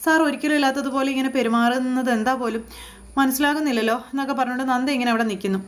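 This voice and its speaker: A woman with a high voice rattles through her recap of a TV serial episode. She keeps it chatty and animated and talks straight to the listener as she goes. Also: very fast. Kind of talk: casual spoken retelling of a TV serial episode.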